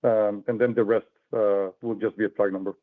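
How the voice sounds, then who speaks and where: A man's voice: lowish voice, level tone, fairly quick. A man speaking as a company executive, giving unscripted answers on an earnings call. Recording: narrow phone-like conference call line.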